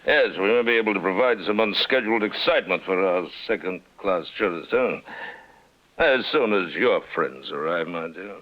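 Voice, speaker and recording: A man's voice: low voice, lively intonation, moderate pace, highs cut off. An actor playing a mocking, contemptuous male gang leader who carries a knife. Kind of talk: 1950s radio drama acting.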